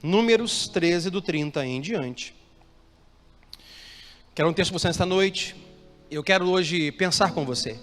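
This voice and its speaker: A Brazilian man with a high voice preaches to his congregation and keeps calling on them to repeat phrases and answer his questions. His voice rings through a reverberant church hall. Soft music plays faintly underneath. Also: expressive, a little slow, pauses often. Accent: Brazilian Portuguese. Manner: preaching with call-and-response prompts to the congregation. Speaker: pastor. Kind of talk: sermon.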